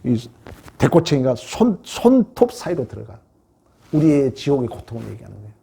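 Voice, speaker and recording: A man preaching a sermon as pastor, emphatic, firing off rhetorical questions and swinging between loud declarations and hushed lines. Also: mid-range voice, sing-song, normal speed, gravelly, slightly rough.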